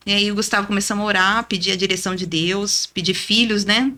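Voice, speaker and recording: Bright-voiced woman sharing a testimony. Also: mid-range voice, fast. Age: 30s. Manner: earnest, lively storytelling with frequent "né?". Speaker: podcast guest. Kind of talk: testimony in casual chat.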